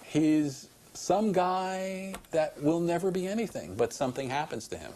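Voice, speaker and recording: A man giving measured, explanatory commentary in a documentary interview. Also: on the high side, lively intonation, warm tone, a little hiss or hum.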